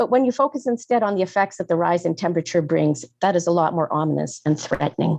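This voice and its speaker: A woman's very fast, lively talk with vocal fry, hardly any pauses and very even loudness, in a dry, close sound with no echo. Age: 60s. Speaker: public delegate at city council committee. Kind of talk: prepared public statement. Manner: formal.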